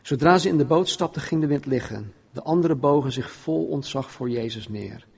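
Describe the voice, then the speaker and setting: A man's voice: medium pitch, a little fast, gravelly, breathy edge. A man preaching an informal sermon and reading Bible passages aloud, often stumbling and repeating words as he talks.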